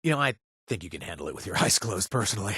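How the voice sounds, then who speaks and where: An actor playing a wry, sarcastic companion in a video game who hands out kill jobs, stammering and joking. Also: male voice, lowish voice, racing, husky, no room sound, heavily acted. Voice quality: animated, sarcastic delivery with hesitant stammers. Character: wry young man, quest-giving companion, sarcastic and jumpy. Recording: dry studio sound.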